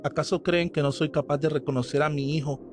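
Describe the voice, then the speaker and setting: A man's voice: on the high side, fairly even intonation, brisk, music in the background, close to an everyday voice. A man voicing a grieving elderly grandmother in a horror story, desperate and angry. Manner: desperate pleading and angry outbursts.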